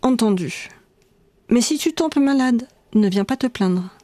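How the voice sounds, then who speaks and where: A man's voice: extremely high pitch, lively intonation, a little slow, mellow, no room sound. A woman doing a weary, guarded school director. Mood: conceding. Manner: lecturing, reasoning patiently. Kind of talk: read-aloud memoir dialogue.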